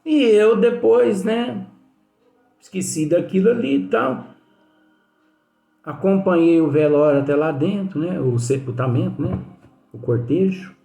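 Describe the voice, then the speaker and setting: Chatty higher-voiced man teaching. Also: animated, unhurried, creaky, long pauses, warm tone. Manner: chatty, leans on tag questions. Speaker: spiritist study lecturer. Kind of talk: conversational teaching with anecdotes. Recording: echoey room with faint music.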